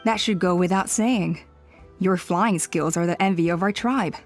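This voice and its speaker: A woman's voice: lowish voice, normal speed, close to an everyday voice. A woman playing a dutiful, composed female tribal elder in an anime-style video game, formal and polite. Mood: gracious. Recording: music playing behind the voice.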